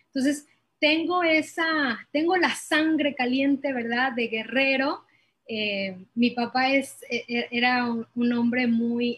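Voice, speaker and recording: A woman's high-pitched voice at a very slow pace. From Mexico, Valle de Bravo, State of Mexico. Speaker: entrepreneur and wellness coach. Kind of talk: interview.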